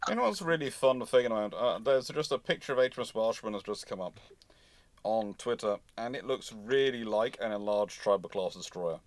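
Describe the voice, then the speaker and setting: A man's voice: fairly low pitch, animated, normal speed, no room sound. A man hosting an informal live question-and-answer session, conversational and opinionated, repeating phrases for emphasis. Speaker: host of naval history live stream.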